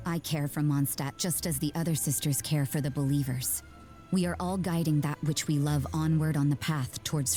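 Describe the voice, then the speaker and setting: An actress voicing a cool, jaded young nun who works in the shadows, in measured, blunt, unsentimental game dialogue. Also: female voice, low-pitched, mellow. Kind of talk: scripted game character voice lines. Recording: background music under the voice.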